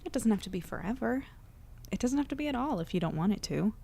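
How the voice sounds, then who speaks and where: A woman playing a guilt-ridden but supportive and determined young hero in audio drama dialogue, speaking softly and earnestly. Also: a little high, animated, fast, vocal fry, breathy edge, full character voice. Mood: gentle, encouraging.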